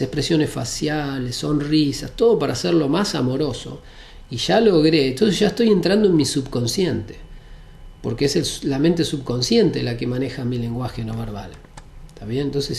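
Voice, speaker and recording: A man's voice: mid-range voice, gravelly, darkish tone, reverberant. A man giving a spiritual self-help talk, explaining step by step and checking in with "¿está bien?". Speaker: spiritual teacher. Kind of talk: recorded talk on personal change.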